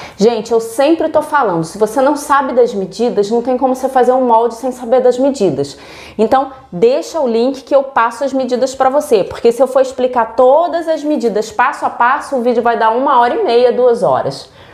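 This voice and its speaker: Her voice is high for a woman, and this woman's pitch varies in an ordinary way. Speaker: sewing teacher. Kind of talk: tutorial. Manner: fast.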